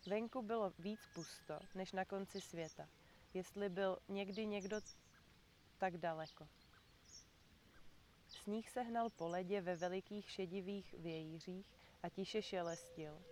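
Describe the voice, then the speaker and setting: Calm woman reading a storybook outdoors. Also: mid-range voice, a little hiss or hum. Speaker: reader for children. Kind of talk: reading aloud to children. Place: outdoor community garden.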